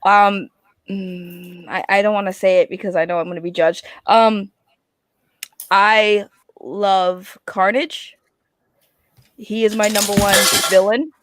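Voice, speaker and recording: A woman's voice: medium pitch, fairly even intonation, slow pace, pauses often, dry recording. A woman chatting casually as a panelist in a group discussion. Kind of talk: casual chat.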